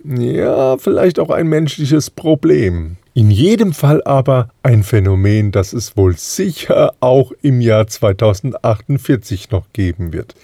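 A man, the podcast host, reading a scripted introduction in a measured way. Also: medium pitch, sing-song, vocal fry, mellow, no echo, studio quality.

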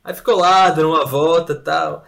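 Lively man telling stories. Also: on the high side, brisk, gravelly. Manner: animated anecdote telling, laughing through stories. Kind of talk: casual storytelling chat.

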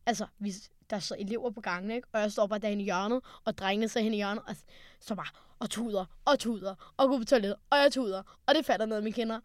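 A teenage girl co-hosting a podcast, telling rambling, animated stories in casual chat. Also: a little high, smooth, no room sound, studio quality. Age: late teens. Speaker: podcast co-host. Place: studio.

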